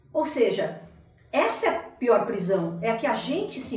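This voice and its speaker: Over noticeable background noise and audible room echo, the voice swings very widely in pitch. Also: woman. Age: 60s. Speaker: spiritual teacher. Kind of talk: spiritual talk.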